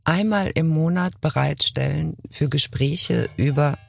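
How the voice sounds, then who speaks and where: A woman's voice: low-pitched, measured pace, slightly rough, no room sound, studio quality, faint music behind. A woman, an actress, chatting as a guest on a podcast and telling stories in a playful way. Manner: playful, animated storytelling. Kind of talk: casual podcast chat.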